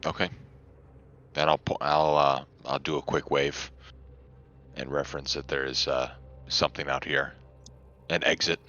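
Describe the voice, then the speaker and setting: A man playing a tabletop game, talking casually and deliberately with some hesitation, over a dull mic. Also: a bass voice, level tone, pushed and bright.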